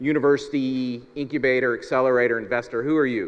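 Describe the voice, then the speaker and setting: A man speaks at a fairly quick pace with an Ohio accent. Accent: American (Ohio). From US Midwest, Ohio near Cincinnati. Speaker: keynote speaker, startup consultant. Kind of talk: keynote speech. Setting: stage with audience. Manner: halting, with fillers.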